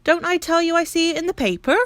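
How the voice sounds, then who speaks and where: A woman voicing a kindly working-class railway porter who talks in a homely, excited dialect. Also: very high voice, fast talker, dry recording, voice pushed up. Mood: excited warmth.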